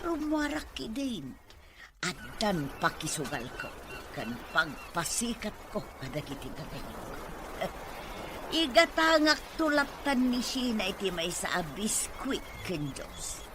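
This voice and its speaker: A woman's voice: medium pitch, very animated, slow, noisy background. A woman playing a grumbling, money-minded Filipino grandmother who likes to gamble, in an Ilocano audio drama. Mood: scheming.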